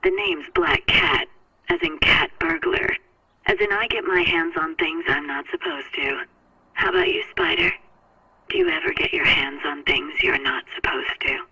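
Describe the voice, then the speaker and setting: Black Cat, sharp, teasing phone voice. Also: female voice, on the low side, very animated, normal speed, gravelly, slightly rough, full character voice. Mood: teasing, flirty. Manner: sultry, playful, teasing. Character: flirtatious, teasing female cat burglar. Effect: phone filter. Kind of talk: video game voice acting. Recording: band-limited phone call.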